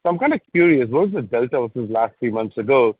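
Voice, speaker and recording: A thin telephone sound with no room around it carries a man's medium-pitched voice. He speaks as an analyst on an earnings call, in conversational business language. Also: big pitch swings, fast, slightly rough, no room sound. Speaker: analyst asking questions. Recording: dry, tinny narrow phone line.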